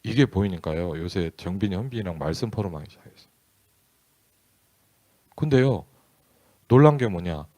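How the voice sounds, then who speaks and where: Lively, animated male pastor. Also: low voice, moderate pace, pauses often, no room sound. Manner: candid, conversational, acts out dialogue in quotes. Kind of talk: storytelling sermon.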